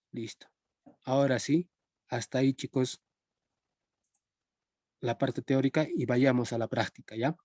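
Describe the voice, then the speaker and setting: A young man teaches a philosophy class over a live stream, and he keeps checking in with his students as he goes. His voice is mellow and relaxed, at a middle pitch. The sound is dry and close, with almost no room echo. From Peru. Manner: conversational, checks in with students often.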